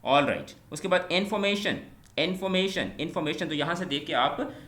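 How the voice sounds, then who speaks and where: Bright-voiced male English tutor. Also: a little high, animated. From Pakistan. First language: Punjabi. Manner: sounds words out slowly, repeating each one many times. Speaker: English teacher. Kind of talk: online exam-prep lecture.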